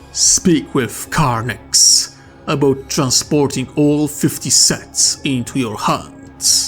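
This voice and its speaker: A man's put-on character voice at medium pitch and a very slow pace, with clear music in the background. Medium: read story. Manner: measured, authoritative.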